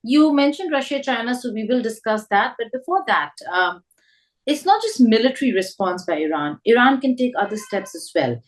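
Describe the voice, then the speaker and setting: A woman's voice: on the high side, animated, moderate pace. A woman interviewing for a news programme, asking probing follow-up questions and restating them.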